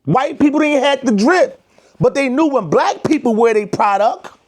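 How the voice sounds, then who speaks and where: A fairly high-pitched man with an African American Vernacular accent talks straight to the camera in an emphatic, preaching way. He is from the United States and leans heavily on slang. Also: expressive, normal speed, darkish tone. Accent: African American Vernacular English. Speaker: vlogger. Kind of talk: direct-to-camera commentary.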